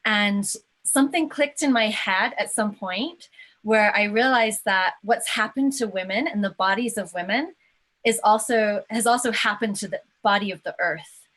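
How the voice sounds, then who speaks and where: A woman from England, a soft-spoken and reflective guest in a casual interview over a video call. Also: medium pitch, moderate pace.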